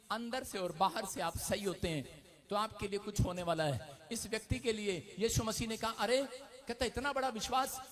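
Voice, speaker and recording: A man preaching a fervent sermon in church, shifting between loud declarations and quiet storytelling. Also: sits high. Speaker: pastor.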